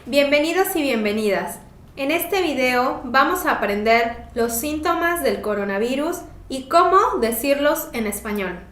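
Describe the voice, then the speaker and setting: A woman leads a lesson in a high voice, spelling out each phrase slowly for learners. Her words ring in an echoey room. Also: expressive, a bit bright. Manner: slow, careful enunciation for learners. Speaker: Spanish teacher. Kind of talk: slow scripted language lesson.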